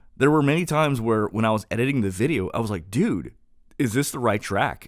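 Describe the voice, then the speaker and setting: A man speaks at a medium pitch with vocal fry. His intonation is lively. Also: very clean recording, silent background. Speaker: mic reviewer. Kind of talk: casual tutorial.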